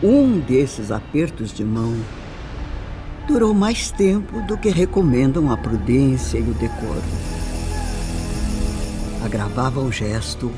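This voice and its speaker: An actress playing a refined, sorrowful older mother in a radio drama, with a Brazilian accent and solemn, deliberate, formal phrasing. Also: extremely low pitch, animated, heavily acted. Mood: anguished, foreboding. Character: older upper-class widowed mother, grave, sorrowful, refined. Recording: music under the voice. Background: background music.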